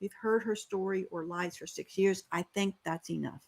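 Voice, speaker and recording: A woman speaks with a New York accent. The recording is very clean, with a silent background. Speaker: online commentator, self-styled internet journalist. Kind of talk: livestream commentary with co-host. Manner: fast.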